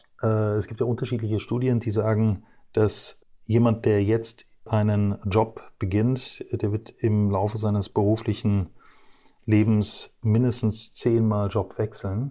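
A man speaks at a fairly slow pace in a medium pitch. His tone is dark and mellow. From Belgium, Brussels. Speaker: education company executive. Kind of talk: interview. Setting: remote call. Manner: halting, many fillers and repetitions.

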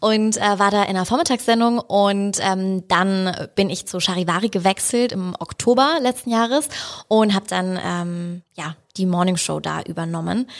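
A woman with a normal speaking voice of medium pitch, at a moderate pace with ordinary pitch variation. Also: very clean recording, silent background. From Bavaria, Upper Palatinate (near Neumarkt). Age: 20s. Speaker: radio host and influencer. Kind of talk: casual interview chat. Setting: radio station studio.

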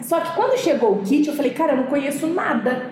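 Noticeable background noise sits under a woman who talks at a fairly quick pace with lively intonation. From Brazil, Belo Horizonte. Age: 40s. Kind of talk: casual interview chat.

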